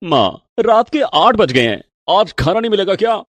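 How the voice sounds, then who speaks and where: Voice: mid-range voice, big pitch swings, moderate pace, no room sound. A voice actor playing a grown son in a cartoon story, complaining impatiently about a late dinner. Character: grown son, hungry and in a hurry for work.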